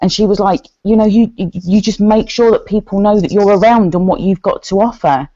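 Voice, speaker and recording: A woman with a deep voice, sharing a candid personal testimony with a group and acting out the words of people in her story. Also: moderate pace, no room sound, lo-fi sound. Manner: earnest, quotes others' words in lively bursts.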